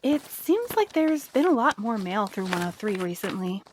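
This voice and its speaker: An actress playing a considerate, soft-hearted postal colleague in an audio drama, gentle and earnest. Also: female voice, mid-range voice, sing-song, normal speed, slight background noise, natural voice.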